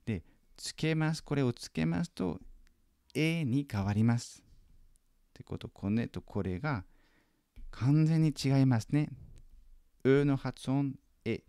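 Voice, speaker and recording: A man teaching French in a lesson video, patiently correcting a student's homework and repeating French phrases slowly and carefully. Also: mid-range voice, expressive, warm tone, smooth, no echo, studio quality.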